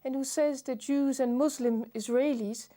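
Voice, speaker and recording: A woman host speaks in a measured, formal way, first reading a scripted introduction and then putting questions to her guest. Her voice sits a little high and sounds mellow and warm. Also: fairly even intonation.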